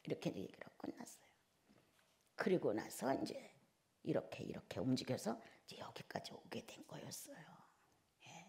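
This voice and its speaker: A woman preacher delivers a Sunday sermon as a personal testimony. Her gravelly voice moves through a lively pitch range. She shifts from forceful declarations to near-whispers as she tells the story. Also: normal speed, pauses often. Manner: dramatic delivery swinging between loud declarations and hushed whispers; emotional storytelling.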